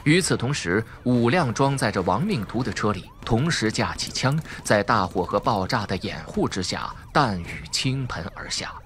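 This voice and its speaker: A man's voice: on the low side, lively intonation, normal speed, few pauses, fairly bright tone, slight background noise. A man reading a suspense audiobook as a dramatic scripted narrator.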